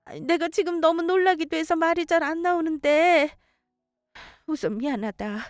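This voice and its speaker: A woman voicing a tearful older mother-in-law who pleads in a high, wailing voice. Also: normal speed, no echo, clean studio sound, faint music behind. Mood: coaxing.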